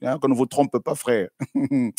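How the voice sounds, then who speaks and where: A man preaching a sermon in a conversational, repetitive way, often asking "hein?" and swinging between loud exclamations and quiet asides. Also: medium pitch, measured pace, dry recording, studio quality.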